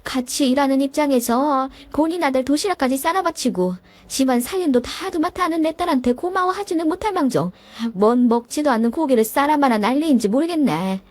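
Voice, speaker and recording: A woman's voice: sits high, a little fast, a little mellow, close to an everyday voice. A woman voicing a hot-tempered middle-aged mother who rages in defense of her daughter in a told story. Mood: indignant. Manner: fuming, indignant outbursts.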